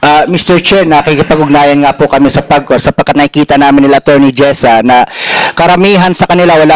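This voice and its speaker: Fairly high-pitched and very fast, a man speaks with fairly even intonation and very even loudness, in a dry, close sound with no echo and noticeable background noise. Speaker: anti-trafficking official presenting at hearing. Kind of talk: testimony at congressional hearing. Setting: hearing room. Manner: formal.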